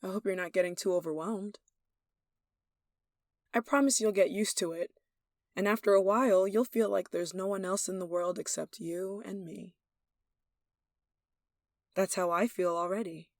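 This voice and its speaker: A woman's voice: mid-range voice, steady tone, normal speed, long pauses, dry recording, clean studio sound, lightly acted. A woman acting a lovestruck, possessive young royal in an intimate roleplay, tender and playfully commanding. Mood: tender, infatuated. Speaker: voice actor in an audio roleplay.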